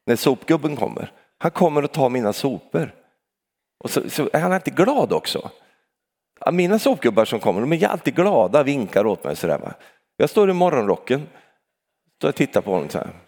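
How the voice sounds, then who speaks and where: Older male preacher, lively chatty sermon. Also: mid-range voice. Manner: chatty, keeps adding questioning tags for agreement, laughs easily. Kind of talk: conversational sermon. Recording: long hall reverb.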